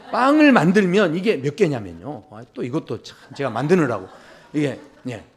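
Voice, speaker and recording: Lively high-voiced male pastor preaching. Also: breathy edge. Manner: lively, asks the congregation questions; swings from loud emphasis to hushed low lines. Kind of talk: sermon.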